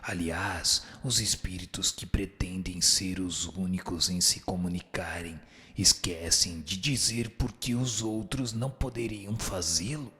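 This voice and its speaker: Deep, slow, solemn spirit teacher, played by a man. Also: pushed and bright, soft background music. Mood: solemn, instructive. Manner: solemn, measured, didactic. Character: grave male spirit teacher, solemn and admonishing. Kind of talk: scripted audio drama reading of a spiritual text.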